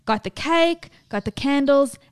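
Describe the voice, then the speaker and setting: A woman's voice: high voice, expressive, measured pace. A woman in her thirties co-hosting a podcast, chatting candidly about parenting, swearing freely and acting out the people in her stories. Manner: candid, swearing, acts out quotes. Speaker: podcast co-host. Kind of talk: casual chat.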